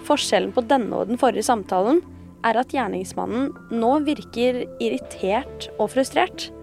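A woman's voice: fairly high pitch, gravelly, a little mellow. Woman narrating true crime over music. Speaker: podcast host. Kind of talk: true-crime storytelling, semi-scripted narration.

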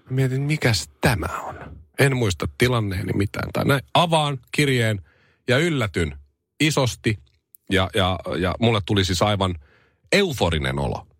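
A man's voice: lowish voice, sing-song, a bit bright, husky, no room sound. A man co-hosting a morning radio show, reading satirical news and then telling a mock-earnest, exaggerated story in studio banter.

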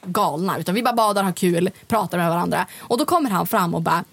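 A young woman from telling a funny night-out story in casual chat, full of quoted voices and sudden high pitch jumps. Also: vocal fry, dry recording. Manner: animated retelling, jumps up in pitch when quoting people.

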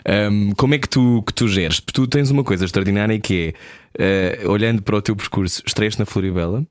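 Low-voiced Portuguese male host, dry sound. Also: brisk, no room sound. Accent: European Portuguese. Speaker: interview host. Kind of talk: casual interview chat.

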